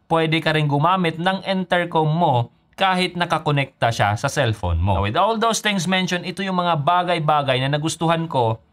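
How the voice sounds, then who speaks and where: A man's voice: fairly high pitch, expressive, moderate pace, a bit bright. A man with a Filipino accent giving a scripted motorcycle gear review as a vlogger, mixing in English phrases. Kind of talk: scripted review narration with Taglish code-switching.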